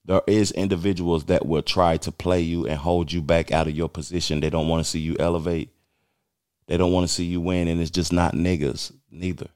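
Deep-voiced man in his forties, blunt. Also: a little mellow, no room sound, studio quality. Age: 40s. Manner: blunt, emphatic, streetwise talk. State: losing his voice. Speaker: podcast host. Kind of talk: casual commentary.

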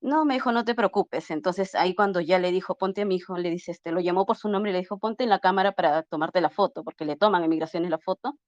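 A woman's voice: fairly low pitch, fast, few pauses, a little mellow, no echo. A middle-aged woman tells a personal story in a casual, earnest way, voicing the people in it as she goes and often restarting her sentences. The audio is dry and a little muffled, close and lo-fi. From Peru. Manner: earnest, acts out dialogue while retelling, frequent restarts. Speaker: interview guest.

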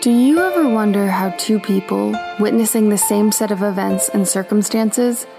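An actress plays a defensive but tender woman in an audio drama. Her mid-pitched voice is measured and placating, with faint music behind it. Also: creaky, close to an everyday voice. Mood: reflective.

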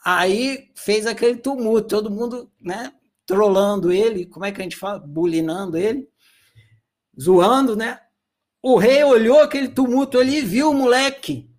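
A man, hosting a music talk show, telling a folk tale and commenting in a blunt, slangy way. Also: high voice. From Brazil. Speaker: podcast host and music commentator. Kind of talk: storytelling and casual commentary.

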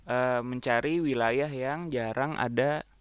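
A young man from East Kalimantan, a guest in a casual chat, relaxed and quick to laugh. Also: medium pitch, smooth, no echo. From East Kalimantan, Indonesia. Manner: relaxed, laughs often, acts out quoted speech.

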